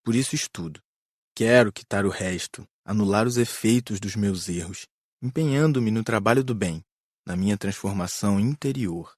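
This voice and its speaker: A man playing an earnest, repentant male spirit in a dramatised audiobook, speaking in a measured, confessional way. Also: fairly low pitch, a little mellow, no room sound, clean studio sound, close to an everyday voice. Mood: earnest, resolved. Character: earnest male spirit recounting deafness, illness and regret.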